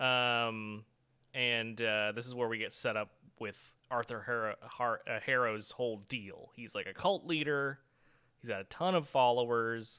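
Speaking at a fairly slow pace, a man with an American accent has a plain, everyday voice. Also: medium pitch for a man, ordinary pitch variation. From California. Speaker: pop culture podcast co-host. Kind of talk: casual chat.

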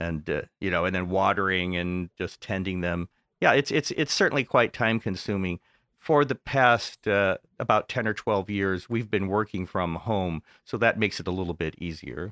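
Recorded dry and close with no echo, a man with an American accent speaks at a moderate pace in a very deep, low voice with a bright, sharp tone and ordinary pitch variation. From US Midwest. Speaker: chilli grower and musician. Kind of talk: casual interview chat. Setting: remote call.

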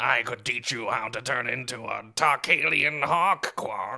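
A put-on character voice, hoarse and gravelly, at a fairly slow pace. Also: man, medium pitch for a man.

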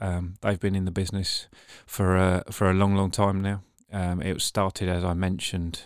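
A man with a British accent and a very deep, low pitch, flat and monotone in intonation, at a moderate pace on a very clean recording with a silent background. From UK. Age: 30s. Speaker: podcast host. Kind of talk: casual interview chat.

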